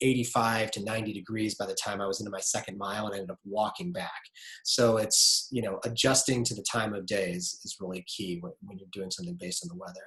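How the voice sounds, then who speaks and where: This man talks at a fairly quick pace in a medium pitch. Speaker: life coach. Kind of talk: live online workshop; guided meditation. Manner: fast.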